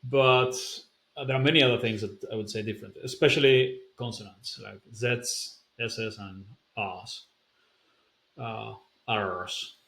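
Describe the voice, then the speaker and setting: A man's voice: lowish voice, unhurried, gravelly, echoey room, low-quality recording. A young man from the Basque Country whose first language is Basque. He speaks English with a Basque accent that carries a slight German tinge, talking casually with fillers and restarts. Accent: Basque-influenced English with a slight German tinge. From Basque Country, Spain. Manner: chatty and relaxed, with frequent fillers and restarts. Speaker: language-learning YouTuber. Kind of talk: casual talk to camera.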